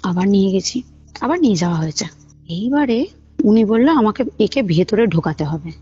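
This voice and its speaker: Female caller, husky voice, casual animated storytelling, dull phone audio with music under it. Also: mid-range voice, normal speed. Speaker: caller telling a personal ghost experience. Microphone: phone call. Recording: muffled phone call recording, music underneath. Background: background music.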